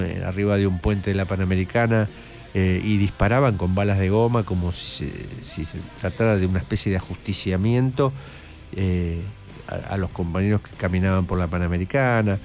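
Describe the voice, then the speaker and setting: A man's voice: low voice, a little fast, a little mellow. A middle-aged man with an Argentine accent giving indignant, opinionated political commentary as a radio host at a studio microphone. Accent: Argentine Spanish.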